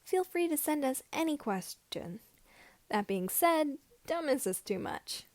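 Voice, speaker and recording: A woman's voice: sits high, big pitch swings, a little slow, darkish tone, no echo, voice pushed up. A woman voicing a wry, cheerful young man giving chatty, self-deprecating video updates in a story reading. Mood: chatty, upbeat.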